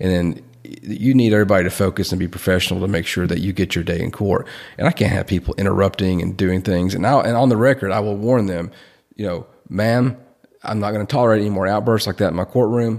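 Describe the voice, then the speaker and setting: A man with a Tennessee accent and a fairly low voice talks very fast on a very clean recording with a silent background. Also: ordinary pitch variation. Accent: Southern US (Tennessee). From US South, Tennessee (Bledsoe County). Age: 30s. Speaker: judge. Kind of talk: interview. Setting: in-person interview.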